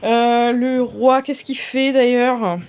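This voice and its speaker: A woman's voice: on the high side, fairly even intonation, takes it slowly, a little mellow, clear, resonant tone. A young woman narrating as game master of an improvised tabletop game, hesitating with fillers and laughing often.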